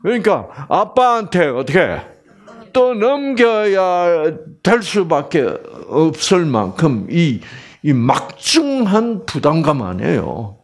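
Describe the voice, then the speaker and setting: A middle-aged man giving a Bible lecture, asking his audience rhetorical questions and dropping into soft whispers. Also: a little high, sing-song, slow, faint music behind.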